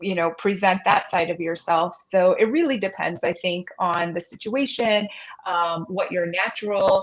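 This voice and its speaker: Its pitch varies in an ordinary way as an ordinary speaking voice moves at a moderate pace. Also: woman, medium pitch for a woman. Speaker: former visa officer and consultant. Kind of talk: live Q&A discussion. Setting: livestream.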